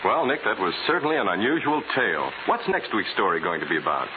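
A man's voice: fairly low pitch, big pitch swings, fast talker, background noise. A man with an American accent announcing in polished, formal 1940s radio style. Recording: narrow 1940s radio recording. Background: music.

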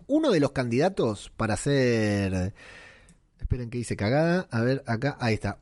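Un hombre con acento rioplatense argentino que comenta una serie en tono charlado, con muchas muletillas y frases que retoma. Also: male voice, mid-range voice, darkish tone, no room sound, clean studio sound. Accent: Argentine Rioplatense Spanish. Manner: rambling, colloquial, many fillers and restarts. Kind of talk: casual commentary on a TV series.

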